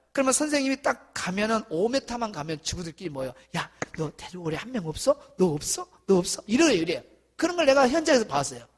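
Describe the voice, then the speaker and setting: Speaking to an audience of church teachers, a middle-aged pastor from South Korea delivers a lively seminar talk. His voice sits high, and he performs bits of dialogue, raising it to a shout at the climaxes.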